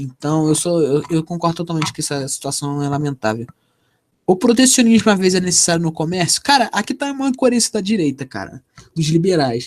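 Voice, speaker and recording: At a fairly quick pace, a man with a high pitch talks with very wide pitch swings, the recording dry and close with no echo. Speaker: political YouTuber. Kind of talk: casual commentary answering a quiz. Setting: live video stream. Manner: fast; halting, repeats words.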